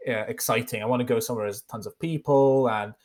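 Thirties man from Switzerland, Bosnian as his first language, podcast guest, mid-pitched, thoughtful and rambling. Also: quick pace, a little mellow. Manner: reflective, many fillers and restarts. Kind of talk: casual interview chat.

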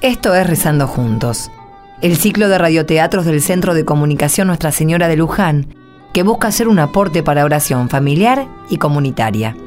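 Very low-pitched woman narrator. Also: animated, normal speed, darkish tone, faint music behind. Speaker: presenter and narrator. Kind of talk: scripted radio drama narration.

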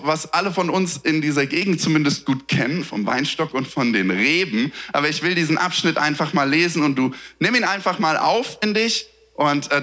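A man preaching a sermon in a lively, conversational way, asking his listeners questions. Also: fairly high pitch. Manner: lively, conversational, asks the audience. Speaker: pastor. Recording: reverberant hall.

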